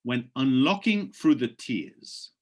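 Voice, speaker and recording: A man in a mid-range voice pitches an opportunity over a video call. He is hoarse and clears his throat now and then. He talks in a persuasive, emphatic way and leaps up in pitch when he drives a point home. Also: sing-song, slow. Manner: persuasive, emphatic, rises sharply on key points. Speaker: presenter answering questions. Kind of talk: webinar presentation with live Q&A.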